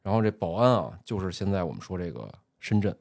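Low-voiced man telling a story in casual chat. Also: sing-song, gravelly, darkish tone, dry recording, studio quality. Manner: storytelling, drawn-out filler particles. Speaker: podcast host.

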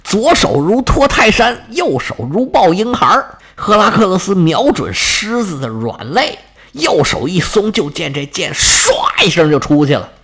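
Lively, husky male storyteller. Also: high voice, measured pace. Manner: chatty, folksy, with sound effects. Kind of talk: storytelling narration.

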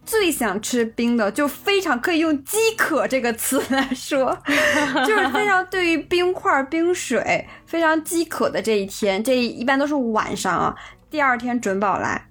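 A woman chats on a podcast. She tells her stories in a lively way, laughs often and slips into the voices of the people she quotes. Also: high-pitched, normal speed. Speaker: podcast co-host. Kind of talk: casual chat.

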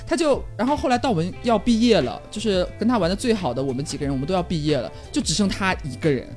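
A woman tells a rambling story at a quick clip, her pitch rising and falling widely. Light music plays faintly behind her in a casual podcast chat. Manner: animated, rambling storyteller with many fillers. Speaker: podcast co-host.

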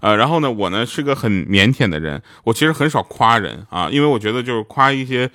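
A man's voice: mid-range voice, expressive, fast talker, fairly bright tone, no room sound, clean studio sound. A man who voices radio dramas, telling funny stories in a casual, chatty monologue and laughing at his own punchlines. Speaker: radio drama voice actor promoting his show.

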